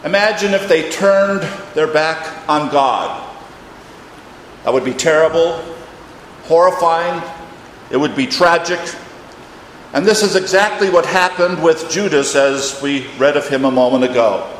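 A man's voice: on the high side, unhurried. An older man, a retired pastor, praying and reading a sermon in a church with solemn, emphatic phrasing. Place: church, during a service. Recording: echoey hall, long reverb, faint noise.

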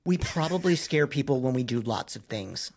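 A man from New York co-hosting a podcast, joking in a dry, low-key way. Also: big pitch swings, moderate pace, gravelly, noisy background. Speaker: podcast co-host. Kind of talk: casual chat.

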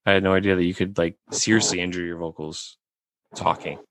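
Man, very deep, raspy, casual rambling talk, dry close sound. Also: steady tone, fairly quick, fairly bright tone, no echo. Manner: rambling, many restarts. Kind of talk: casual chat.

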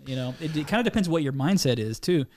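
A man guesting on a podcast as a filmmaker, chatting in an animated, self-deprecating way. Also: a little high, quick pace. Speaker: film director guest. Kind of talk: casual chat.

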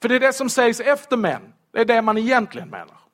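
In a very high-pitched voice, a man preaches a sermon in church, lively and humorous, putting rhetorical questions to the congregation.

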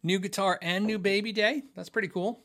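Reading viewer messages on a casual livestream from his home office, a middle-aged man rambles, restarts often and leans on many fillers. His voice is high and fairly bright, with a steady tone and a fairly quick pace.

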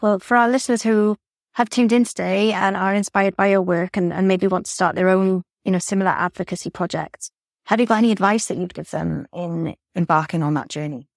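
A woman's voice: mid-range voice, fairly even intonation, brisk, creaky, no echo, clean studio sound. A woman from Wales hosting an interview, asking questions and affirming answers encouragingly. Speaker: podcast host.

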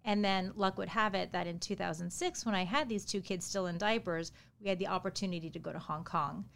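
Author lady from the nyc area, japanese first language, smooth voice, lively chatty storytelling. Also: fairly low pitch, brisk. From New York City area. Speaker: author, podcast guest. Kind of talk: interview storytelling.

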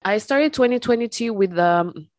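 A woman hosting a spiritual podcast, talking gently and calmly while congested from an illness. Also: on the high side, moderate pace, no echo, studio quality. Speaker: podcast host. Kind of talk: calm spiritual podcast talk.

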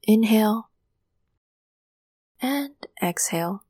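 A woman hosting a meditation podcast, guiding listeners gently through breathing and affirmations in a calming voice, with some cues softly whispered. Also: medium pitch, takes it slowly, breathy edge, no echo, studio quality. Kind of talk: guided meditation.

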